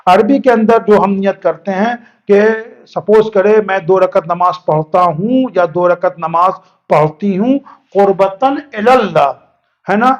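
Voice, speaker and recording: A man's voice: high-pitched, hardly any pauses, highs cut off. A male cleric giving a religious lesson, explaining step by step, mixing English words in and repeating points for emphasis. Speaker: Islamic cleric teaching religious rulings.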